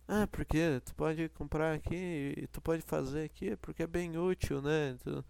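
A man voicing a weary, bored young female telemarketer who mumbles a hesitant sales pitch. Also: normal speed, creaky, warm tone, no room sound. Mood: bored, deflated.

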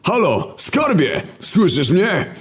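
A man voicing War, a crude, hot-tempered male horseman who swears and shouts. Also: medium pitch, sing-song, normal speed, voice pushed up, close to an everyday voice. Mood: blustering.

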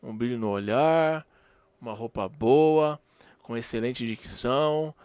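A man's voice: mid-range voice, a little mellow, smooth, dry recording. A man co-hosting a casual podcast, effusive and slangy, often repeating himself. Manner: effusive, slangy, halting restarts and repetition. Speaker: podcast co-host.

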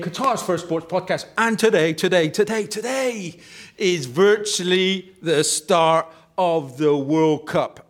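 A man hosting a casual sports podcast interview, speaking haltingly and often repeating words and phrases. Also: on the high side. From Bristol area, England. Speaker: podcast host.

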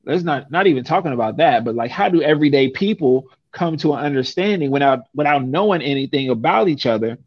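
A man's voice: mid-range voice, animated, fast, few pauses, no room sound, lo-fi sound. A young man from San Francisco, talking casually and emphatically, often ending points with a rhetorical "right?". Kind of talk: casual conversation.

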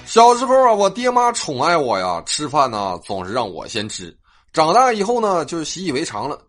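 A man's voice: a little high, faint music behind. Give me a man hosting a comic monologue, his voice swooping wildly up and down. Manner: animated, sing-song delivery with drawn-out particles. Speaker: host.

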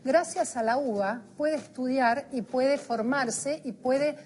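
Argentine female panelist, calm, explanatory, high voice. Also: slow, slight background noise. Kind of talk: TV panel discussion.

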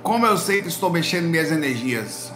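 A man with a Pernambuco accent from northeast Brazil, telling stories to camera in animated, slangy bursts. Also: fairly high pitch, brisk, reverberant, over music. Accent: Pernambuco Portuguese. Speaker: spiritual vlogger answering viewers. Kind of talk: casual talk to camera. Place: indoor room with a light behind him.

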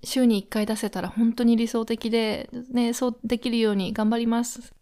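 A woman's voice: a little high, flat delivery, moderate pace, warm tone. Chatty Japanese-born woman podcast host. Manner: chatty and friendly, with frequent fillers. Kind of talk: casual solo podcast chat.

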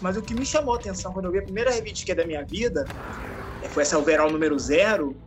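A man in his late forties with a Rio de Janeiro Brazilian accent, telling his story as a podcast guest in a relaxed way, full of slang and laughter. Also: high voice. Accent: Rio de Janeiro Brazilian Portuguese. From Araruama, Rio de Janeiro state, Brazil. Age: 40s. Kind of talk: casual storytelling interview.

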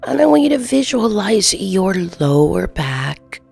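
A woman leads a guided meditation in a soft, soothing, partly whispered delivery with long pauses. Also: medium pitch, big pitch swings, gravelly. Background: soft background music.

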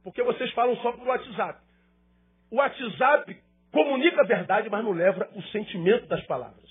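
A male pastor delivers an emphatic sermon, driving points home with rhetorical questions and repeated phrases. His voice sits very high and sounds husky and breathy. The live recording is dull and lo-fi. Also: moderate pace, faint music behind.

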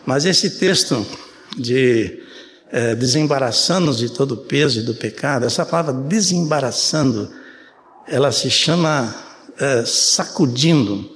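A man's voice: medium pitch, lively intonation, a little slow, a bit bright, a little hiss or hum. An older man from Brazil with a Brazilian Portuguese accent, giving a conversational sermon and often checking in with his listeners. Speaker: preacher. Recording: reverberant hall, faint room ambience.

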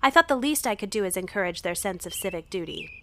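A woman's voice: medium pitch, animated, fast talker, fairly bright tone, a little hiss or hum. A woman playing a self-possessed, civic-minded young girl in a tabletop audio drama, with a prim and precise way of talking. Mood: brisk, proper.

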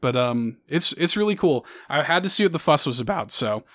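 A man's voice: fairly high pitch, lively intonation, brisk, fairly bright tone, dry recording, studio quality. A man hosting a podcast, chatting casually and rambling with lots of fillers. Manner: rambling, many fillers, upbeat. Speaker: podcast host.

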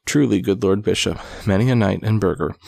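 A man's voice: fairly low pitch, brisk, gravelly, darkish tone, dry recording, studio quality, pitched above the performer's own voice. A man voicing a bold, boastful medieval outlaw in a storybook, with saucy, archaic phrasing. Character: bold, boastful outlaw posing as travelling harper.

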